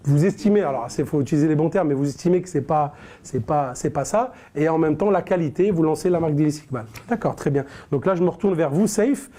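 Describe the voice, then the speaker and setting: A man's voice: a little high, dark tone. A man hosting a studio interview, speaking with many fillers and restarts. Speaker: interview host. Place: studio set.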